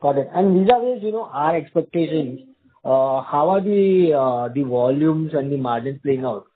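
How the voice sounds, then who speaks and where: A man's voice: fairly high pitch, lively intonation, moderate pace. A man speaking as a financial analyst, asking wordy questions over the phone on an earnings call. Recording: thin, narrow phone line.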